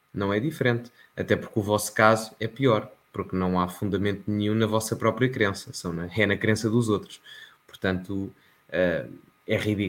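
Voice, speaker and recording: A man speaks in a plain, everyday voice, fairly low in pitch, with fairly even intonation at a moderate pace. The recording is very clean, the background silent. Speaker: political podcast host. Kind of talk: casual political debate.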